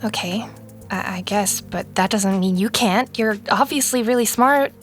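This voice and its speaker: A woman playing a bewildered, earnest sixteen-year-old girl in an audio drama, speaking in a hesitant, halting, sincere way. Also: medium pitch, soft background music, lightly acted. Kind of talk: audio fiction drama acting.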